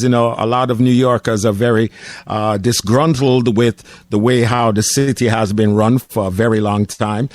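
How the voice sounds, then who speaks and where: A man hosts a casual radio interview in a studio. He talks in a laid-back way, dotting his questions with "uh" fillers. His voice sits at a middle pitch and sounds dry and close to the mic. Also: no room sound. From Jamaica. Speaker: radio host.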